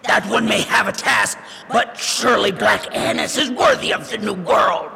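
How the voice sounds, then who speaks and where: A woman voicing a fierce, fanatically devoted hag with a gravelly screech in a fantasy audio drama. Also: medium pitch, normal speed, pushed and bright, shouting. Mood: pleading. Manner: speaks of self in third person, fervent. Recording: long cavernous reverb.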